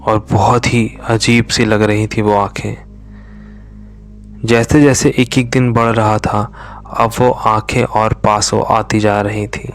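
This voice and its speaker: A man slowly telling a true horror story, his voice sinking to a whisper at tense moments. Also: fairly low pitch, level tone. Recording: faint music behind.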